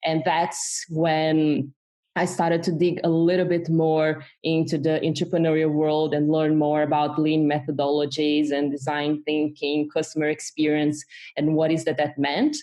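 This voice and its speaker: In a Brazilian accent, a woman speaks at a moderate pace with a very deep, low pitch. Her intonation is monotone and flat, and her loudness stays very even. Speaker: startup program manager. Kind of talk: podcast interview.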